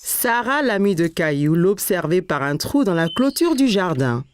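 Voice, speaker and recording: A woman's voice: on the low side, big pitch swings, normal speed, a little hiss or hum. A woman narrator reading a scripted children's story expressively, as if to small children.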